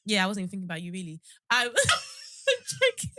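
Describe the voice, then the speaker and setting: A woman's voice: mid-range voice, fast talker, pushed and bright. Chatty young woman co-hosting a podcast. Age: 20s. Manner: chatty, laughs easily, loose and rambling. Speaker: podcast co-host. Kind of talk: casual chat.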